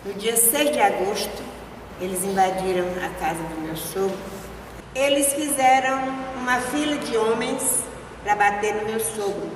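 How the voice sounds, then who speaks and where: A woman's voice: medium pitch, lively intonation, unhurried. A Brazilian woman giving personal testimony in a reverberant space, away from the microphone. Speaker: victim's relative giving testimony. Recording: echoey, distant mic, music behind.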